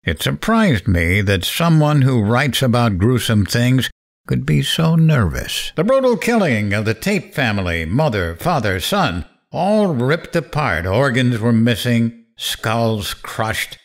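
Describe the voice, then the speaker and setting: An actor playing a cocky, vengeful late-night radio host, sardonic and goading, in dramatic narration and interview. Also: male voice, medium pitch, sing-song, slow pace. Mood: grim, accusing.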